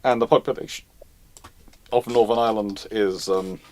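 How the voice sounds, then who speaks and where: His voice sits on the low side, darkish in tone, with fairly even intonation and a moderate pace. He's hosting a casual live history question-and-answer session, responding to viewers emphatically and repeating phrases to drive points home.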